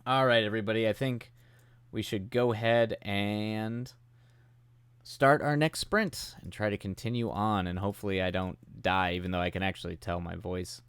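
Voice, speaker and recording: Low-voiced man chatting as he comes down sick. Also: fairly even intonation, moderate pace, a bit bright, clean tone, dry recording. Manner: rambling, self-deprecating, laughs often. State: getting sick, voice starting to go. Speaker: streamer hosting writing sprints. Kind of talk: casual chat with live chat.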